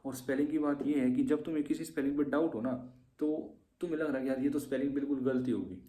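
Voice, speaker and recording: A man in a roomy-sounding space talks fast in a mid-range, mellow, steady voice while coaching students for a shorthand exam. The lesson is casual and full of tips, and he habitually repeats "theek hai" as he goes over points.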